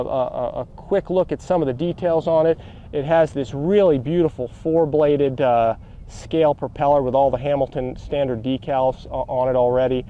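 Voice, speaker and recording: A man's voice: mid-range voice, clean tone, phone-quality sound. A middle-aged man outdoors on a grassy field, presenting a model aircraft and then commentating its flight, full of fillers and eager asides to viewers. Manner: filler-heavy, eager, talks straight to viewers. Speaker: model aircraft reviewer and pilot. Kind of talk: product demo and flight commentary.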